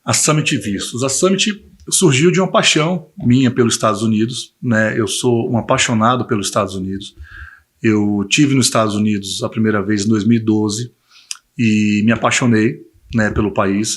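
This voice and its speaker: A man in his forties from Bahia, with a Brazilian accent and a husky voice, answering conversationally as an interview guest and often adding tag questions. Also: on the low side. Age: 40s. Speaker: interview guest, visa consultancy owner.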